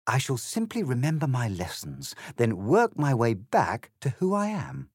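A man's voice: medium pitch, wildly swooping pitch, measured pace, a little mellow, husky, dry recording, studio quality, voice pushed up, heavily acted. A man voicing a confused, indignant little girl in a storybook, speaking primly and earnestly with exclamations. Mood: puzzled.

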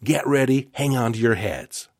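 A man's voice: medium pitch, expressive, moderate pace, no room sound, clean studio sound. A man hosting a motivational podcast, coaching the listener directly in an upbeat, encouraging way. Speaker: podcast host.

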